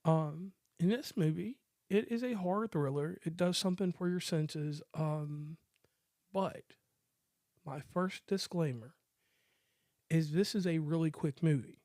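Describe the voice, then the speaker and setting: A man co-hosting a casual movie review podcast, talking in a relaxed, rambling, joking way. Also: fairly high pitch, measured pace, no echo, clean studio sound. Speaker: podcast co-host.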